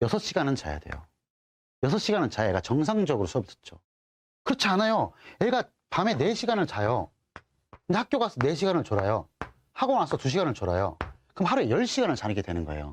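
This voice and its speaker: An animated tone comes through at a very fast pace, interrupted by long, frequent pauses. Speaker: math academy director giving parent info session. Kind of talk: information session talk for parents.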